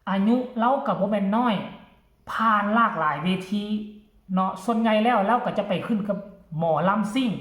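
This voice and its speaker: A woman commentator with an Isan accent, speaking earnestly to viewers and defending someone against critics. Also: a little high. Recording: echoey room.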